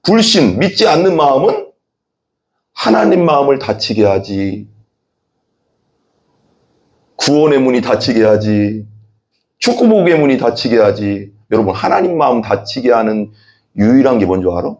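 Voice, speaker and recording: A man's voice: medium pitch, moderate pace, pauses often. Male pastor preaching a sermon, voices the quotes himself and asks the congregation questions. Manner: animated, acts out voices in quoted dialogue; asks the congregation questions and has them repeat.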